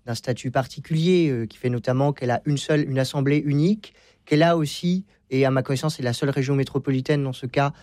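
A man's voice: medium pitch, quick pace, a little mellow, no room sound, studio quality. A man speaking as a guest historian in a radio debate. He talks hesitantly, with many restarts and fillers. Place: radio studio.

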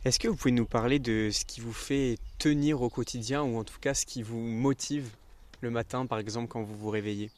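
A man's voice: medium pitch, fairly even intonation, fairly quick, darkish tone. A man interviewing a priest, asking polite and formal questions.

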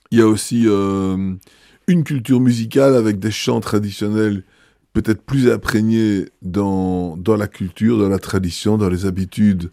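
Male bishop, interviewed; mellow, low tone, hesitant and measured delivery. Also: dry recording, studio quality. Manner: thoughtful, hesitant, frequent filler pauses. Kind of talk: interview answers.

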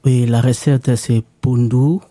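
A man's voice: mid-range voice, fairly even intonation, slow pace, mellow, no echo. A man from DR Congo with a Congolese accent, whose first language is Lingala, guesting on a radio show and talking hesitantly with many repeated words. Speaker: farm project newcomer, guest. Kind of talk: radio interview.

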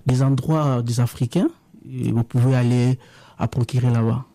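A man from DR Congo whose first language is Lingala talks through a recipe on community radio. His voice is very dark and dull in tone, recorded dry and close. He restarts often and leans on fillers as he explains. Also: medium pitch, fairly even intonation, no room sound. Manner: halting, many restarts and fillers. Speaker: guest sharing a recipe. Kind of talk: radio interview, casual explaining.

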